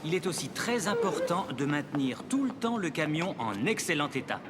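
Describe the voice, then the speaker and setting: Enthusiastic firefighter, animated intonation, slightly high voice, children's cartoon. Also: male voice, moderate pace, very noisy. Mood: helpful, welcoming. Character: friendly, enthusiastic adult male firefighter. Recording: music behind the voice.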